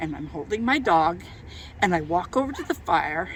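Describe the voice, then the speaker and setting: A woman with an American accent at a moderate pace, with noticeable background noise. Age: 70s. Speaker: van dweller. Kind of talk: casual chat. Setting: outdoors.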